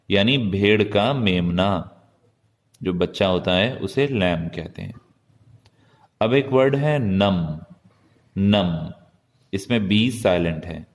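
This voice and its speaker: A man teaching an English lesson from India, speaking slowly and deliberately and spelling words out letter by letter. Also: fairly low pitch, big-room sound. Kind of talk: classroom lesson.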